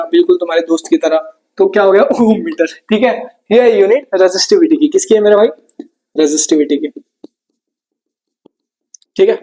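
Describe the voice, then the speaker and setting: A man teaching a rapid exam revision lesson in a casual, brotherly tone. He asks questions, answers them himself and adds jokes and memory tricks. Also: high-pitched, darkish tone.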